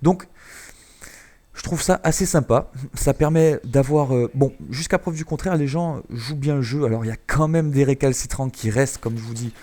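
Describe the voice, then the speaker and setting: A man from France talks over his shooter gameplay, explaining the rules in a chatty way with frequent hesitations. His voice sits at a middle pitch with a warm, mellow tone. It sounds like a home recording on a desk or headset mic. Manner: chatty, explanatory, many filler "euh"s. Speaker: gaming YouTuber. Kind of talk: gameplay commentary.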